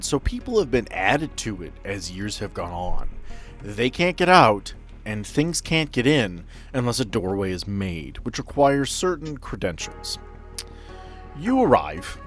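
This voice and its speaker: A man narrating an improvised tabletop horror game as game master, with theatrical storytelling and dramatic pauses. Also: fairly low pitch. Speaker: game master, podcast host.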